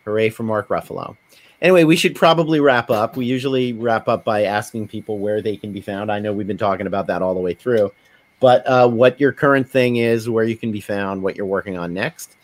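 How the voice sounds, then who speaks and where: A man's voice: lowish voice, a little fast, no room sound. A man hosting a casual podcast, talking in a wry, digressive way. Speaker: podcast host.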